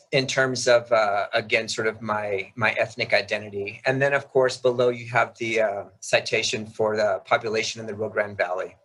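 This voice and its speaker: A man's voice: medium pitch, bright, forceful tone, poor audio. A man in his fifties from South Texas, a native Spanish speaker, giving an informal, explanatory presentation in a conversational, slightly hesitant manner. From South Texas, United States. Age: 50s. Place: video call while screen sharing.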